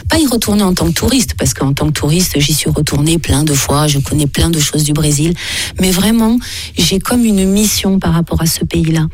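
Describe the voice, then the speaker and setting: A woman singer with a low, slightly mellow and rough voice speaks at normal speed. Born in France with Portuguese as her first language, she recounts her life story thoughtfully in an interview, hesitating often.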